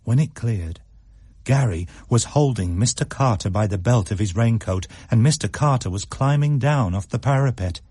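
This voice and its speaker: A man reading a story aloud as narrator in an expressive, animated way, recorded in a studio. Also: medium pitch, normal speed, breathy edge, no room sound.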